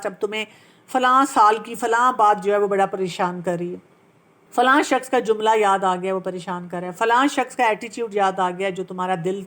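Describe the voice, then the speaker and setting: A woman, a pediatrician and parenting coach, gently explaining how to heal from trauma and slipping English terms into her speech. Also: medium pitch. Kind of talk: Islamic-based talk on healing from trauma.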